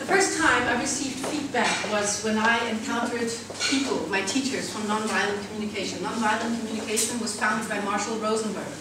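A woman talks at a fairly quick pace with audible room echo and noticeable background noise. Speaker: executive coach. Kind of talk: public speech. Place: hall. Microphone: camera far.

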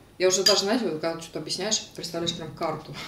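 A woman speaking over loud background noise. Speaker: vlogger. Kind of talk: casual vlog chat over a meal. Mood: relaxed, chatty. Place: kitchen. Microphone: camera far.

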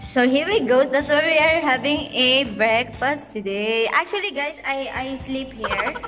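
A woman speaks with ordinary pitch variation over clear music in the background. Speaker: vlogger. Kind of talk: casual vlog chat. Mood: cheerful, laughing. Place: home room. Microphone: phone near.

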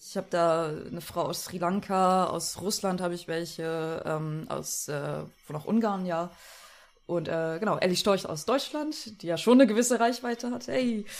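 This woman has a normal speaking voice, fairly low in pitch, with lively intonation and a moderate pace. The recording is very clean, with a silent background. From northern Germany. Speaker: singer and vocal coach. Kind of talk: interview.

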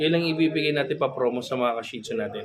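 There is noticeable background noise. Through it, a man talks at a moderate pace. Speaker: dog breeder. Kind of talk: sales pitch. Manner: halting.

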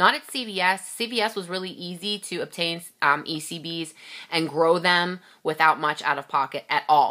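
A woman with an American accent, a bright, sharp tone, ordinary pitch variation and a fairly slow pace against a quiet background. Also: fairly low pitch for a woman. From Pennsylvania. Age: 30s. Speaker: couponing YouTuber. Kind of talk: casual Q&A vlog. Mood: friendly, animated. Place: home room. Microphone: phone near.

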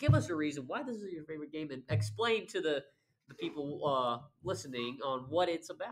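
In a normal speaking voice, a man with a fairly high pitch talks at a fairly quick pace with lively intonation. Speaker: student podcast host. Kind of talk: casual chat. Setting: livestream.

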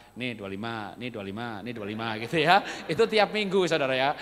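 A man talks with very wide pitch swings. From Central Java, Solo; Central Java. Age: 50s. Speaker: pastor and business speaker; pastor, speaker. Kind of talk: sermon. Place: hall. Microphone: handheld.

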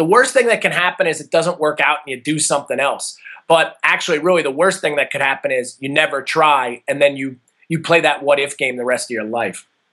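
With an American accent, a man with a fairly high pitch and a bright, sharp tone speaks at a fairly quick pace in an energetic tone, with ordinary pitch variation, over a quiet background. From US, New Jersey. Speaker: fitness company founder and CEO. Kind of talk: interview. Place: office. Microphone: video call.

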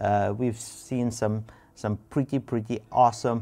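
A man talking at a fairly slow pace. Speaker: pen seller vlogger. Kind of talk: casual vlog chat. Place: home room.

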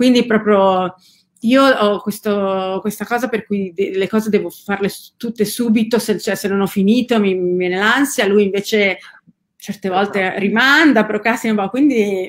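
Against a quiet background, a woman with an unremarkable speaking voice and medium pitch speaks fairly slowly with fairly even intonation. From Italy, living in New York. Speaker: journalist and author; journalist. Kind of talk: interview. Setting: video call. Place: home room.

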